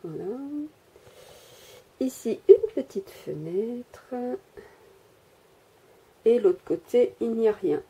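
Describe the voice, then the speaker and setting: A woman rambles through a casual crafting show-and-tell, stopping often to hesitate and poke fun at herself. Her voice is very dark and mellow, with a husky, breathy edge. She is recorded through the built-in mic of the camera she holds at home. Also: mid-range voice, expressive, slow pace, pauses often. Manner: rambling, self-mocking, many hesitations. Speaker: crafter showing her miniature workshop. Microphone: handheld camera mic.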